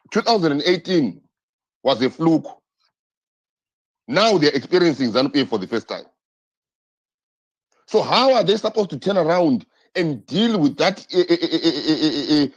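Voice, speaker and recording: Impassioned man on a lively, husky stream. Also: on the high side. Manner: impassioned, repetitive, rhetorical questions. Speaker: live-stream host. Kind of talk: political live-stream commentary. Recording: dull lo-fi stream audio.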